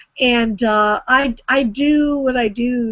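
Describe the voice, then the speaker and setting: In a Canadian accent, a woman speaks at a fairly high pitch with ordinary pitch variation and an unremarkable speaking voice. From Canada. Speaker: online show host, entrepreneur mom. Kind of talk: casual chat.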